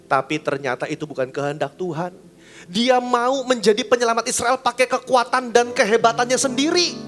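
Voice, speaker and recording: High-voiced pastor preaching. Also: male voice, brisk. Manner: lively, colloquial, acts out voices with big swings in pitch and volume. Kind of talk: sermon. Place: church service.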